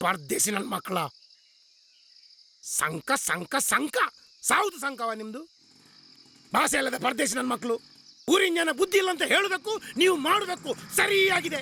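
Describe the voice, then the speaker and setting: A man speaks at an extremely high pitch. His voice is raised and projected. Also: moderate pace. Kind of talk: comedy film scene. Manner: angry, scolding, frustrated.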